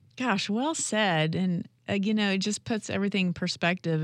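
This woman has an ordinary speaking voice with ordinary pitch variation. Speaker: co-host.

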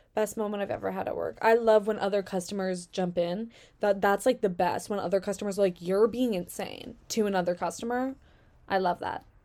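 A woman with a medium pitch and an animated tone is heard on a very clean recording with a silent background. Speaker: solo podcast host reading listener stories. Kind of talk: casual monologue. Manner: fast.

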